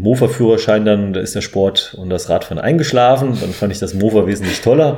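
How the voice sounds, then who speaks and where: A normal speaking voice. The pitch rises and falls in an ordinary way. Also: man. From Hesse, Germany (Hofheim). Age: 30s. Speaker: amateur triathlete, IT worker. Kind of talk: interview. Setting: studio, sitting across from host.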